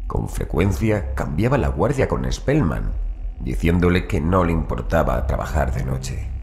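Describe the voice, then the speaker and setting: Male, extremely low pitch, horror audiobook narration, measured formal reading, music behind. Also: sing-song, a little mellow. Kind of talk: scripted horror story narration.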